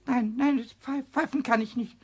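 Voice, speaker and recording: A man voicing a small, mischievous, childlike kobold in a children's radio play, shrill and squawky, stammering and repeating words in excitement. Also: moderate pace, husky. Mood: eager, excited.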